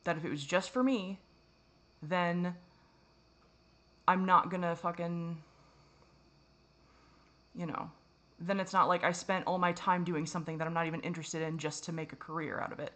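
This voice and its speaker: A woman's voice: fairly low pitch, steady tone, moderate pace, long pauses, fairly bright tone. A woman vlogger speaking to camera in a rambling, self-critical confessional monologue, swearing often and restarting her sentences.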